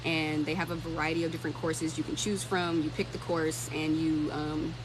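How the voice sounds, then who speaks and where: Her delivery is flat and her voice sits low, moving at a moderate pace over a noisy background. The thirty-year-old livestream host and tech career content creator chats informally, thinking aloud while answering comments.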